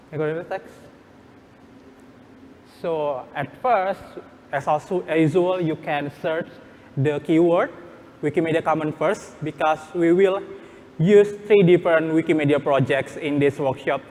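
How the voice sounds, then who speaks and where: A man presenting a hands-on workshop step by step in non-native-sounding English, halting and repeating his phrases. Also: fairly high pitch, darkish tone. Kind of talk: live hands-on tutorial, step-by-step instructions. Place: workshop room at a conference. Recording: echoey hall, background room noise.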